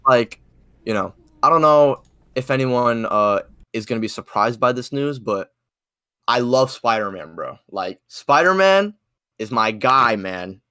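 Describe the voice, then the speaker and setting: A man's voice: mid-range voice, expressive, unhurried, bright, forceful tone, clean tone, no echo, studio quality. A man co-hosting a casual fan podcast, slangy and emphatic, repeating words for stress. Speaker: podcast co-host.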